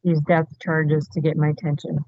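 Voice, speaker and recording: A man's voice: a little high, little pitch movement, normal speed, no room sound, lo-fi sound. A man playing a tabletop game, making short, thoughtful remarks. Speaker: player. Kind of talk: casual tabletop play.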